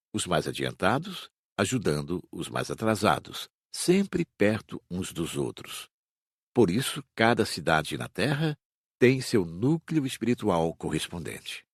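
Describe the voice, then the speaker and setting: Husky low-voiced man reading an audiobook. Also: no echo, studio quality. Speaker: audiobook narrator.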